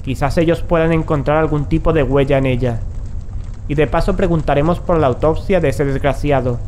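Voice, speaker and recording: An actor playing a composed, aloof and secretive male investigator in an audio drama, measured and matter-of-fact. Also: on the high side, darkish tone, a little hiss or hum, lightly acted. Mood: composed, decisive. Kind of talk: scripted audio drama dialogue and narration.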